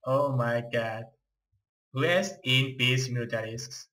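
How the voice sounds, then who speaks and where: A young man with an Eastern European accent, giving live play-by-play game commentary in halting, excitable non-native English. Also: mid-range voice. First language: not English.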